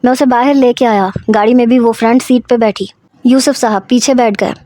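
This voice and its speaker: A woman narrating a scripted story in a steady, even storytelling manner. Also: fairly high pitch, no echo.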